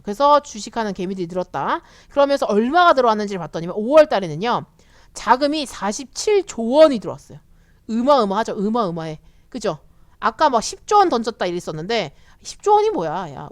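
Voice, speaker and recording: A woman giving a casual lesson on the stock market, chatty and animated, acting out the voices of eager investors as she goes. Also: fairly high pitch, dry recording. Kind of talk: casual explanatory lecture.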